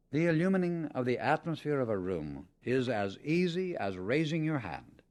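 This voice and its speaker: A man narrating a scripted spiritual audiobook in a measured, emphatic, instructional manner. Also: mid-range voice, a little mellow.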